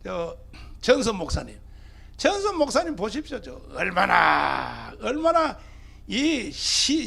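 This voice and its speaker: A man's voice: high voice, vocal fry, fairly bright tone. A male pastor, giving an emphatic political rally speech full of rhetorical questions to the crowd. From Gyeongsang (TK) region of South Korea.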